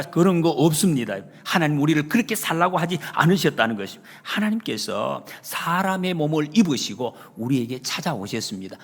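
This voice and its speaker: A male pastor preaching a Sunday sermon in a church, animated and emphatic, often acting out the lines he retells. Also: on the high side. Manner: retells scenes with acted quotes. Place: church sanctuary. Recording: long hall reverb.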